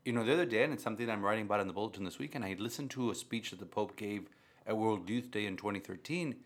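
Talking very fast in a lowish voice, this Catholic priest discusses faith conversationally. He grew up speaking Spanish and tends to repeat phrases for emphasis.

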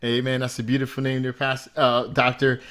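A man's voice: mid-range voice, monotone, a little fast, a bit bright. A man hosting a Christian talk show, introducing his guest with upbeat, hype-man energy. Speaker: show host.

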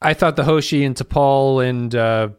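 A man's voice: mid-range voice, unhurried, smooth, no room sound, studio quality. A man co-hosting a podcast in casual chat, hesitant with many restarts and frequent laughter. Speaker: podcast co-host.

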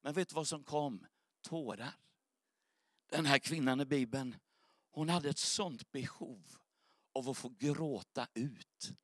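A man's voice: medium pitch, pauses often, no echo, clean studio sound. A man preaching a sermon, telling an earnest, emotional story as testimony.

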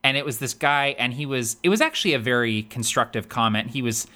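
A man with a high voice, co-hosting a podcast in casual chat, talkative and laughing often with lots of fillers. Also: fairly quick, sharp tone. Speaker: podcast co-host.

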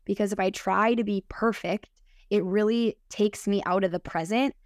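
A woman's voice: mid-range voice, fairly even intonation, moderate pace, no echo, studio quality. A woman in her early thirties with an American Midwest accent, reflecting casually and earnestly as a podcast guest, often dropping in "like". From Minnesota, United States. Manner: earnest, filler-heavy with frequent "like". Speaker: podcast guest, sober group leader. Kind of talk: casual personal reflection in conversation.

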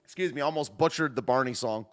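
A man's voice: medium pitch, quick pace, soft background music. A man hosting a casual livestream, reacting to clips and chat in a joking, rambling way that often trails off and restarts. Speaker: livestream host. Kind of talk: casual commentary, reading chat.

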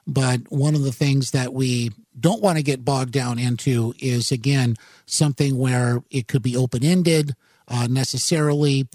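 A man hosting a talk radio show, commenting on the news in a rambling, halting way with many fillers and self-corrections, into a studio microphone. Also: mid-range voice, fairly even intonation, a little mellow, no echo.

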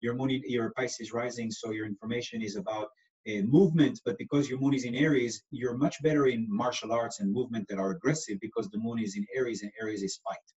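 A man's voice: mid-range voice, fast talker, darkish tone, muffled recording. A man from Israel with an Israeli accent, explaining things patiently in an interview, with lots of fillers. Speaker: astrologer guest.

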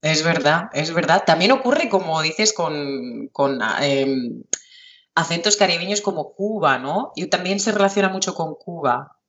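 A woman's voice: low voice, lively intonation, measured pace, a bit bright, highs cut off. A woman hosting a podcast interview, asking questions in an enthusiastic way. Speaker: podcast host.

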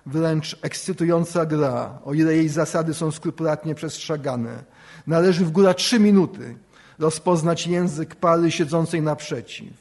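A man's voice: fairly high pitch, darkish tone. A middle-aged man giving a prepared ceremonial speech in a reflective, eloquent, lightly ironic way. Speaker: award speaker.

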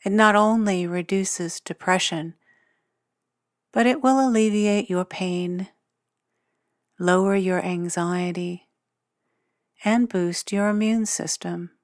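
A woman leads a guided meditation at a very slow pace. Her delivery is gentle and measured, with long pauses between short phrases. Her mid-pitched voice is recorded close and dry, with no room sound. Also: no echo. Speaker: meditation guide and podcast host.

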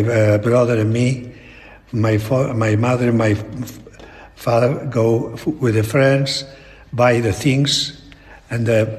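Very old Spanish man, slow and halting. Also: medium pitch. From Spain. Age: elderly. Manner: halting, searching broken English with repeated words. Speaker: painter being interviewed. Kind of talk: reflective interview talk. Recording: long echoing reverb in a hall.

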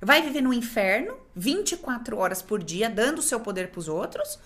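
Brazilian woman podcast host, rather high and very animated voice, quick emphatic delivery. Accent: Brazilian Portuguese. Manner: expressive, emphatic storytelling. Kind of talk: casual chat.

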